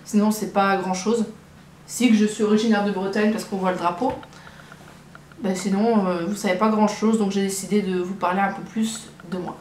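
A woman's voice: medium pitch, steady tone, normal speed, a little mellow. Young woman vlogging in echoey room. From Brittany, France. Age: early 20s. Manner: rambling, hesitant, repeats herself. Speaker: vlogger presenting herself. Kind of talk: casual chat to camera. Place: small living room at home, indoors. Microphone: compact camera on tripod, about a metre away. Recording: echoey room, clear background noise.

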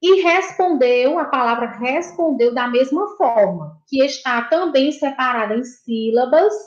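A primary school teacher with a Brazilian Portuguese accent and a high voice gives a video lesson to young pupils, speaking slowly, patiently, and in an animated way. She repeats every point and praises their answers. The recording sounds dull and echoey, like a bare room.

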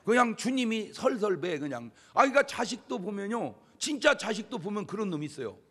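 A male pastor preaching a sermon in a church sanctuary, animated and acting out prayers as he goes. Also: sits high, brisk, husky. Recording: long church hall reverb.

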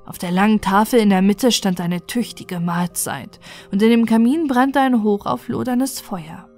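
A woman's voice: mid-range voice, moderate pace, darkish tone, faint music behind. A woman narrating a scripted fairy tale as a bedtime audiobook.

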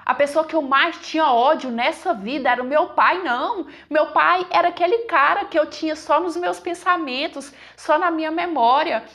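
A woman with a fairly high voice tells a dramatic first-person story, emotional and conversational. She addresses her listeners directly as she goes, like someone confiding a personal tale. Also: normal speed, few pauses, fairly bright tone, faint music behind.

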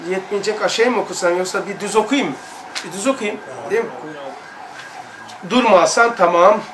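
Male religious study teacher, high voice, earnest and emphatic storyteller, recorded from a distance with light background noise. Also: a bit bright. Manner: earnest and emphatic, acting out sounds and drawn-out words. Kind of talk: recounting a personal experience and reading aloud in a study lesson. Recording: echoey room, distant mic, light noise.

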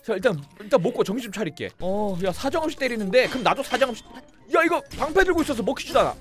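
A young man commentating his own gameplay, excitable and teasing, often yelling at enemies on screen. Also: very high voice, very fast, soft background music. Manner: excitable, shouts and teases enemies. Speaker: gaming streamer. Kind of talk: let's play commentary.

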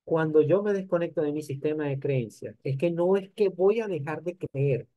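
An older man giving an animated motivational lecture, speaking straight to his audience. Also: on the high side, normal speed, no room sound, highs cut off. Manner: animated, addresses the audience directly. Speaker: conference speaker.

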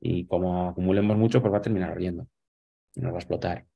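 Deep gravelly man on a video call. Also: steady tone, quick pace, highs cut off. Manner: thoughtful, explaining with many fillers and restarts. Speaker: guest. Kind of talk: casual conversation on a video call. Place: small room at home. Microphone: webcam on a video call.

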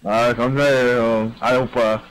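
A man's voice: mid-range voice, unhurried, clear, resonant tone. Male caller, dry joking delivery, voice chat. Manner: deadpan joking, claims a cold.

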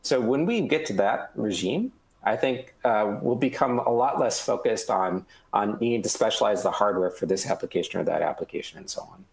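A man's voice: on the low side, animated, creaky, darkish tone, roomy sound. A man in his thirties explaining hardware on a video call panel, hesitant with frequent ums and uhs. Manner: measured, many ums and uhs. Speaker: hardware developer. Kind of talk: technical panel discussion. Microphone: headphones on a video call.

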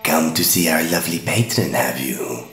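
A man's voice: very deep voice, normal speed, fairly bright tone, echoey room, faint music behind. A man playing a sinister, deranged scientist in an audio drama, with formal, creepily polite manners. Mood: politely menacing.

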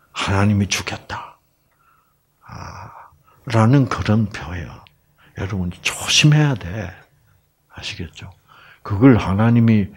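A man's voice: lowish voice, breathy edge. A man from the Gyeongsang region with its accent, giving a humorous Bible lecture and playfully asking the audience for replies. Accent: Gyeongsang Korean. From Gyeongsang region, Korea. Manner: animated, self-mocking, playfully asks the audience for replies.

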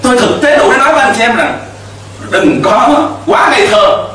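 A man's voice: extremely high pitch, lively intonation, moderate pace, sharp tone, heavy reverb, recorded from a distance, a little hiss or hum. A middle-aged man preaching a sermon from a church pulpit into a handheld mic, emphatic, with call-and-response to the congregation. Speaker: pastor. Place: church stage with pulpit and cross.

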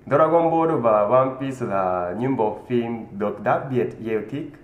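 A man in his thirties, a native Japanese speaker with a Japanese accent, presenting scripted phrases with careful enunciation. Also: medium pitch. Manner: careful, deliberate enunciation of a learned language. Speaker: presenter of a language channel. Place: indoor room with green screen. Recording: roomy, slightly dull, faint noise.

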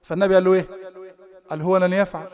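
High-voiced, fast Egyptian preacher. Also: male voice, clear, resonant tone. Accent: Egyptian Arabic. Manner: animated storytelling, rhetorical questions to the audience. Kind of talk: live mosque sermon. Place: Islamic center hall.

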